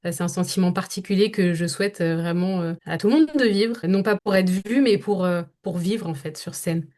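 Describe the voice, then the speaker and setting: Her voice is fairly low and darkish, her pace a little fast: a young French-speaking voice-over actress being interviewed on a podcast about her work. She pauses often to think and begins her sentences over again.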